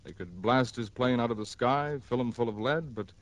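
An actor playing a calm, patient insurance executive in a 1960s radio drama, speaking in a measured, grave way. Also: male voice, mid-range voice, dry recording, muffled recording, natural voice. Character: calm middle-aged male insurance executive. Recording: old radio broadcast.

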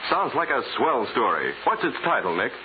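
A man's voice: mid-range voice, sing-song, normal speed, background noise. A man with an American accent announcing in polished, formal 1940s radio style. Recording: narrow 1940s radio recording. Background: music.

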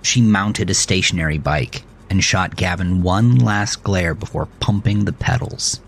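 A man's voice: low voice, unhurried, creaky, slight background noise. A man narrating a scripted thriller story as the storyteller.

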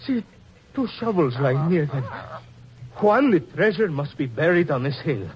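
A man's voice: on the high side, sing-song, measured pace. A man playing a cautious, reasoning father with formal, stagy phrasing in a 1940s radio drama. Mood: excited. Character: cautious, reasoning father hunting pirate treasure. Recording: dull, noisy 1940s radio recording.

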